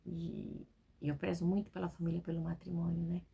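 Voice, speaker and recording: A woman's voice: fairly low pitch, fairly even intonation, fairly quick, gravelly, mellow, husky. A woman in her forties, a preacher, speaking from home and giving a spontaneous, talkative testimony sermon that is full of "né?". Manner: spontaneous, talkative, keeps adding "né?".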